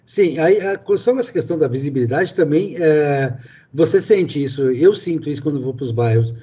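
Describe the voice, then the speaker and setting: A man's voice: fairly high pitch, animated, moderate pace, dark tone, breathy edge. A man hosting an interview, telling local history in a loose storytelling way. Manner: storytelling, many fillers and restarts. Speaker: host. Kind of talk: conversational interview.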